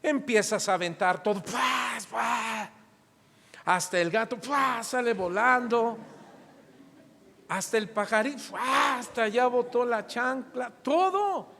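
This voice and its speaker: A man's voice: very high-pitched, expressive, a little slow, fairly bright tone. A middle-aged Mexican man preaching a sermon as pastor, asking the congregation questions and acting out little scenes from family life. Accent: Mexican Spanish. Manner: preaching with rhetorical questions and acted-out anecdotes. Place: church hall. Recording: reverberant church hall.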